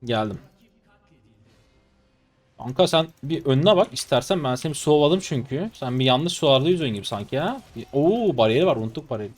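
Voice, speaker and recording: A man in his twenties, a live streamer giving excitable, mocking gameplay commentary. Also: mid-range voice, quick pace. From Turkey. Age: 20s. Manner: excitable, mocking and trash-talking.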